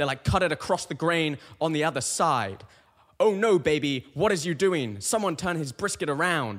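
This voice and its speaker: The speaker has a British accent and an animated tone. The pace is moderate. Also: man, very clean recording, silent background. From United Kingdom. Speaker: podcaster. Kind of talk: casual solo monologue. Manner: animated, humorous.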